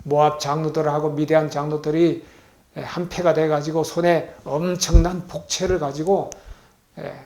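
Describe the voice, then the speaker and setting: Animated Korean pastor preaching. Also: male voice, fairly high pitch, moderate pace. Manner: animated preaching, rising loud when stressing points, dropping soft at sentence ends; asks the congregation questions and answers himself. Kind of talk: sermon.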